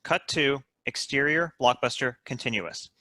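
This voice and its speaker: Bright-voiced man reading stage directions. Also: medium pitch, normal speed, no room sound. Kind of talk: scripted narration of screenplay directions.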